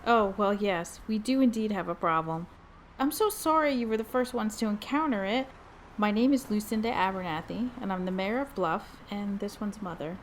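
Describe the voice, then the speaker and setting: A woman acts out a small-town mayor and mother in middle age, in audio drama style. Her voice sits at a medium pitch. She is courteous and direct, welcoming yet weighed down by concern. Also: normal speed, a little hiss or hum, close to an everyday voice.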